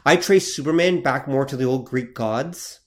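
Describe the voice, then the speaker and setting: A man co-hosting a podcast talks things through at a relaxed pace, thinking out loud with plenty of ums and restarts. His voice sits at an ordinary middle pitch, and he builds his points patiently. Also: moderate pace. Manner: thoughtful, explains at length with many fillers. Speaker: podcast co-host. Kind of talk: casual chat about comic history.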